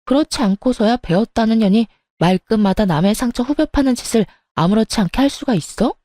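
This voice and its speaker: Woman voicing a shrill, cursing young sister-in-law. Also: brisk, dark tone, no room sound, lightly acted. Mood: furious. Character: rude abusive young sister-in-law, hot-tempered.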